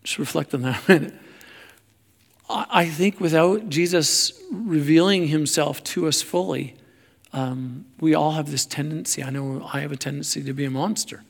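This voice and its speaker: Male preacher, slightly high voice with heavy fry, halting and self-effacing sermon delivery. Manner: halting, searching for words, self-deprecating. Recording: long hall reverb.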